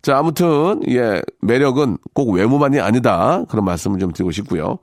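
Male radio host, polite and conversational, animated delivery with casual asides, close dry studio recording. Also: mid-range voice, fairly quick, no room sound. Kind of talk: reading listener stories and commenting, casual radio talk.

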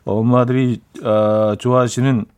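Chill guy radio host, mid pitch, easygoing, acts out quotes. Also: measured pace, clean tone. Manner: relaxed, explanatory, acts out quotes. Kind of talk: casual radio chat.

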